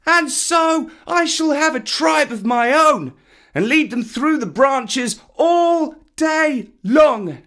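A small, headstrong jungle boy. The voice is pitched high and swings about eagerly, childlike and exclamatory, full of boast, sulk and defiance. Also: very animated, a little slow, fairly bright tone, heavily acted. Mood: gleeful, shouting.

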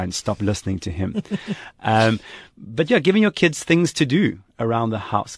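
A man with a fairly low voice speaks calmly and thoughtfully, working through each idea with simple examples as a parenting coach. The sound is dry and close, with no room around it. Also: no room sound. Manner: calm, reflective, explaining with examples. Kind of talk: conversational podcast chat.

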